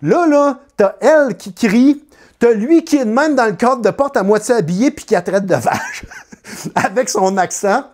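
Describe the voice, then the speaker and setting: A man's voice: very high-pitched, moderate pace, slight background noise. A man with a Quebec French accent telling a comic anecdote about his neighbors. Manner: lively, animated, many fillers. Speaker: storyteller.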